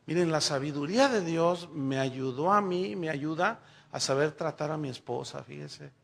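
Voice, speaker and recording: A middle-aged man, preaching a sermon and telling lively stories while speaking directly to the congregation. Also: on the high side, moderate pace, vocal fry. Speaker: pastor.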